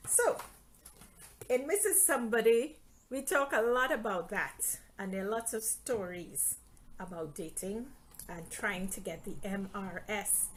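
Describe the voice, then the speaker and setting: Middle-aged author from Trinidad and Tobago. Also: female voice, medium pitch, low-quality recording. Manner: friendly, chatty, reads aloud from her book. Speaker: author hosting a live stream. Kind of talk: casual live-stream talk and reading.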